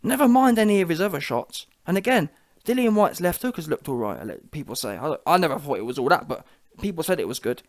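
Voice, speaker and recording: A man with a London accent and a fairly high-pitched voice delivers an informal boxing reaction. He is opinionated and emphatic, using slang and hammering points through repetition. The sound is close and dry. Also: sing-song, fast, no room sound. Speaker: boxing commentator giving fight reaction.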